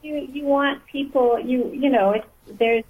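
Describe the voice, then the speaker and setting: A woman's voice: high voice, fairly even intonation, unhurried, narrow, tinny audio. A woman author and writing teacher, a guest on a radio show, talking casually and restarting her sentences often. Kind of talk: casual radio interview talk. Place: radio studio.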